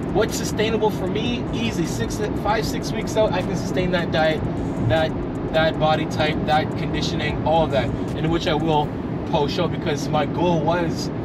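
Over loud background noise, a man talks with ordinary pitch variation. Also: moderate pace, dry sound with no echo. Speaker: bodybuilder vlogger. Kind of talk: casual vlog chat. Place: car. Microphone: camera far.

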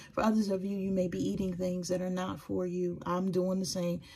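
A woman speaks with fairly even intonation, a dark, mellow tone and a somewhat breathy quality. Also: quiet background. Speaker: tarot card reader. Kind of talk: tarot reading, direct address to viewers. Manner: conversational, hesitant with fillers. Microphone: phone near.

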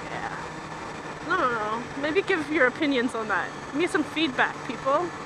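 The speech comes at a moderate pace. The sound is dry with no echo, and there is noticeable background noise. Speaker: motorcycle rider. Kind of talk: casual motorcycle vlog talk. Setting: outdoors. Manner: rambling, halting. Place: motorbike.

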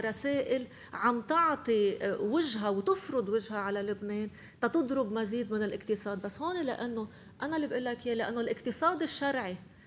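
Against light background noise, a woman speaks at a moderate pace in a high pitch with ordinary pitch variation. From Lebanon. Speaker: member of parliament; guest. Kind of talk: televised political debate. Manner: animated. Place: studio. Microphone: studio mic.

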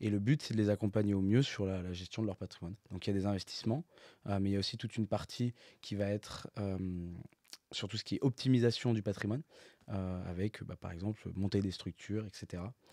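At a fairly quick pace and fairly low pitch, a man speaks in a dark, mellow tone with fairly even intonation, in a dry sound with no echo and a quiet background. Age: 20s. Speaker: wealth manager; podcast guest. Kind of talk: casual chat. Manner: halting. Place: studio. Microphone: studio mic.

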